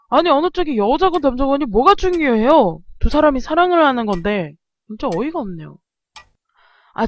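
Woman streamer, animated and exasperated, bouncy high pitch. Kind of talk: game let's play commentary.

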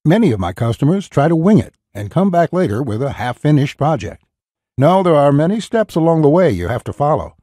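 Pushy male sales-pitch voice-over, dry. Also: big pitch swings, fairly quick, warm tone, no echo. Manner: pushy, urgent salesman delivery.

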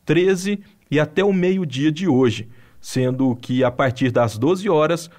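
A man with a Brazilian Portuguese accent reading a scripted news voice-over in an even, measured way. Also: fairly high pitch. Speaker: news narrator.

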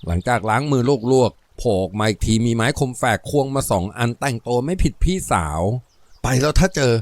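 A man narrating a novel as an audiobook, in an expressive storytelling manner. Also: mid-range voice, a little fast.

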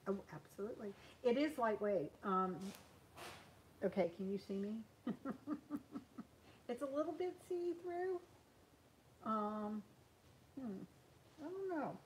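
A woman in her sixties talks loosely as she hand sews in a small sewing room. She restarts sentences and fills pauses with ums. The camera sits across the table, and a faint hum hangs behind her. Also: fairly high pitch, lively intonation, rough recording. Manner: chatty, frequent ums and restarts. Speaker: host sewing live. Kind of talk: casual live Q&A while hand sewing.

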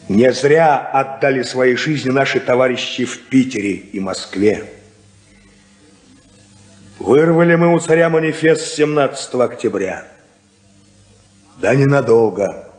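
An old worker giving a fiery funeral speech, slow, lots of echo, old radio play sound. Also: male voice, mid-range voice. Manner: rousing speech to a crowd. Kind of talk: 1950s radio drama acting. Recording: echoey old 1950s radio recording.

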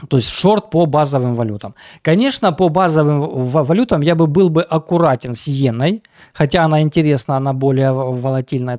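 A man hosting an informal financial market forecast, speaking haltingly and often restarting his words. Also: on the high side, warm tone, no echo, clean studio sound. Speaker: market analyst host of a weekly financial forecast.

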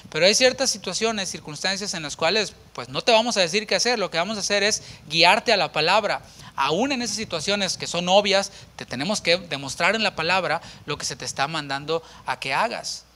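A man, a pastor preaching a sermon to an empty church with animated rhetorical questions. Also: a little high. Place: church without a congregation.

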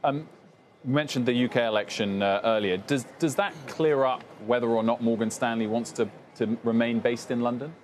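A man's voice: mid-range voice, fairly even intonation. Young guy anchoring a business tv interview, lapel mic, probing questions, faint room hum. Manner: brisk, probing questions with filler ums. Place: trading floor TV studio, indoors.

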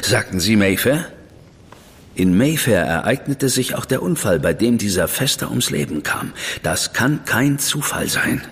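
An actor playing a stern, impatient official in a German radio drama, curt and disapproving. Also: male voice, on the low side, big pitch swings, unhurried, a bit bright, breathy edge, long reverb tail, full character voice.

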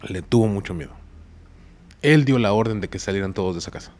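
This podcast guest is a man with a Mexican Spanish accent and a lowish voice, speaking quickly. He tells his story in loose, slangy language and livens up when repeating what others said.

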